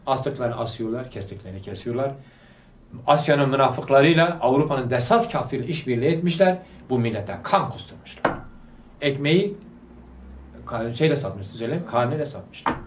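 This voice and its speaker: A man leads a religious study talk with fervor, throwing rhetorical questions and coaxing the audience to reply. His mid-pitched voice comes from a distance in a reverberant hall. A faint background hiss sits under the speech. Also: expressive, a little fast. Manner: fervent, fires rhetorical questions at listeners; prompts the audience to answer aloud. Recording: echoey room, voice picked up from afar.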